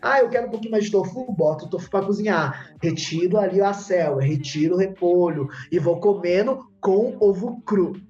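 Noticeable background noise is present as a man in a high pitch talks at a moderate pace with ordinary pitch variation. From Bragança Paulista, São Paulo state, Brazil. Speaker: chef. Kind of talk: casual chat.

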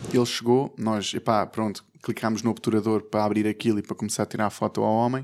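The recording is very clean with a silent background, and the speaker talks very fast in a flat, monotone delivery. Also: man, fairly low pitch for a man. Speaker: podcast host. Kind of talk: casual chat.

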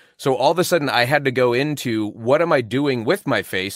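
A man's plain, everyday voice, medium in pitch with ordinary pitch variation, at a moderate pace. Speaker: voice actor. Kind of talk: moderated panel interview. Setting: video call.

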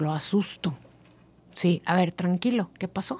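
The speaker is a woman whose intonation rises and falls in a lively way. She takes her time, talking fairly slowly. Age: 30s. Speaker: business owner. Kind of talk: casual interview.

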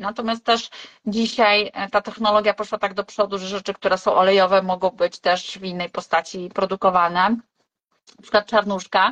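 A woman talks in a plain, everyday voice at a medium pitch. The sound is dry and close with no echo, and her intonation is fairly even. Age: 40s. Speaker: clinical dietitian. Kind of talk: casual chat.

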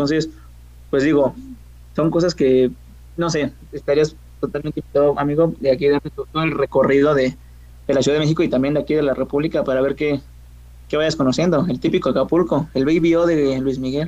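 A man with a fairly high pitch and a dark, mellow tone, monotone and flat, at a fairly quick pace broken by long, frequent pauses. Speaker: podcast co-host. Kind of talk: casual chat.

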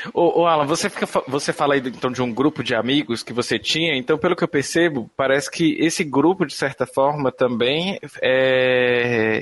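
With an ordinary speaking voice, a man with a fairly high pitch talks at a moderate pace, showing ordinary pitch variation and hardly any pauses. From northern Minas Gerais, Brazil. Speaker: podcast co-host. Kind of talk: casual chat.

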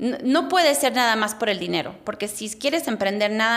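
Fairly high in pitch, a woman with a plain, everyday voice speaks at a moderate pace. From Colorado mountains, Mexican family. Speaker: entrepreneur, cacao business founder. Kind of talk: interview.

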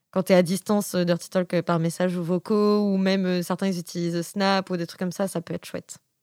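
Dark, mellow tone and a fairly quick pace come through in a dry, close sound with no echo. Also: woman, very clean recording, silent background. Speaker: author and Instagram creator. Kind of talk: casual chat. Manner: animated.

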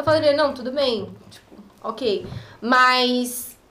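A woman's high-pitched voice with ordinary pitch variation, audible room echo and noticeable background noise. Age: 20s. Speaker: university student. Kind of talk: casual chat. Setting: studio.

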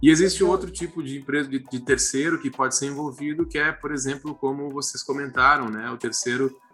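A man talks at a moderate pace with a fairly high pitch and fairly even intonation. Noticeable background noise sits behind him. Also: hardly any pauses. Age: 30s. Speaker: foreign trade consultant. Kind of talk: casual chat. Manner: halting.

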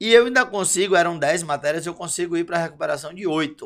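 High pitch from a man, fairly quick in pace and ordinary in pitch variation. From Bahia, Brazil (Salvador and Feira de Santana). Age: 30s. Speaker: sports reporter. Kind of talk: casual chat.

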